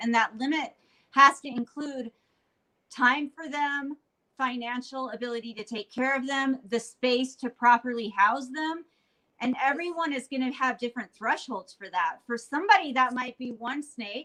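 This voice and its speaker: A woman's high-pitched, raised, projected voice with an American accent, a bright, sharp tone, big swings in loudness, ordinary pitch variation, and a moderate pace. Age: 50s. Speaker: animal trainer and snake keeper. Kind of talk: casual chat.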